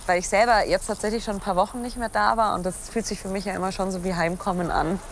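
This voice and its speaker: A woman talks with a slight Allgäu accent. Her pace is very fast and her intonation fairly even. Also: medium pitch for a woman. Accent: light Allgäu dialect with soft 'sch'. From Allgäu, Germany.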